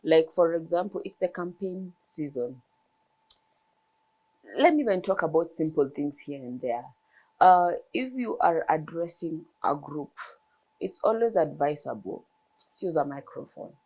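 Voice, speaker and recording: A woman's voice: low voice, animated, measured pace, mellow, rough recording. A woman ENT surgeon, explaining throat health in a TV interview with examples. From Kenya.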